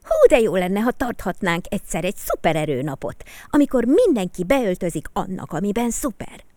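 A woman voicing an enthusiastic kindergarten boy in a storybook, gushing and high. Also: no room sound, lightly acted. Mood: excited. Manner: excited, gushing child.

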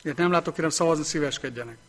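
Male council chair, slightly high voice, brisk procedural delivery. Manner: brisk procedural, repetitive vote announcements. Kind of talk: formal council meeting chairing.

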